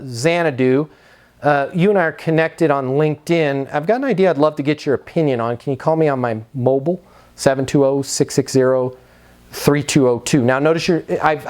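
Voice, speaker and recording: American sales coach, slightly high-voiced man. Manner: conversational, instructive, slipping into role-play dialogue. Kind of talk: coaching talk with acted-out example sales calls.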